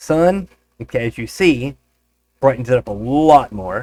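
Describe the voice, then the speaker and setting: This man talks at a medium pitch with ordinary pitch variation and a moderate pace. The sound is dry and close, with no echo. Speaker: game development tutorial youtuber. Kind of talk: tutorial. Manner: loud; halting.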